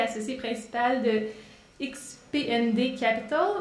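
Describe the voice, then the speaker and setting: A woman with a high-pitched voice speaks, and the room echo is audible. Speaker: event presenter. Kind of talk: formal introduction. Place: hall. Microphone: podium.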